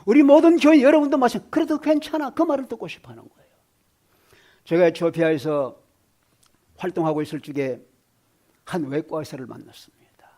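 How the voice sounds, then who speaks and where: A pastor preaching a sermon in a church, telling stories and swinging between hushed asides and loud emphasis. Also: male voice, a little high, expressive, fairly quick, long pauses. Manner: storytelling, shifting from hushed to loud. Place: church sanctuary.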